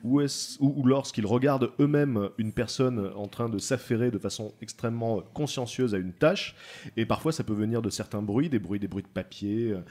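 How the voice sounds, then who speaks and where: A man on a talk show panel explaining casually, somewhat halting as he searches for his words. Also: mid-range voice, darkish tone.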